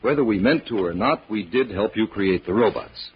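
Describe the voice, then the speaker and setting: An actor playing an earnest, resigned captive doctor in an old radio drama, grave and pleading. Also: male voice, on the low side, expressive, normal speed, dull audio, slight background noise, lightly acted.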